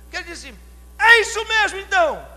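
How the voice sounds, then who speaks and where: A man from São Paulo with a São Paulo Portuguese accent, preaching a sermon, questioning the congregation and building to loud shouted climaxes. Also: extremely high pitch, big pitch swings, brisk. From São Paulo, Brazil. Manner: asks the congregation direct questions. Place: church hall. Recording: long hall reverb, faint hum.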